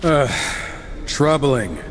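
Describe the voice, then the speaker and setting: A man's voice: a little high, animated, very slow. An actor playing a wisecracking, irreverent male horseman in a video game, with a sarcastic, flippant delivery. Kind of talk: video game cutscene acting. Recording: long reverb, faint noise.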